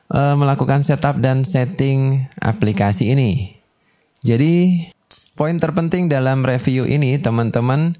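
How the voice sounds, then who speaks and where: Mellow-voiced man presenting a tutorial. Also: medium pitch. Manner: instructive, explains step by step, addresses viewers as friends. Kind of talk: casual software demo and product review.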